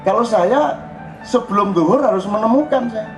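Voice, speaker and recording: An older man with a Javanese accent giving an informal religious talk, jokey and animated. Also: high-pitched, normal speed. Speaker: religious speaker. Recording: dull lo-fi recording with faint music.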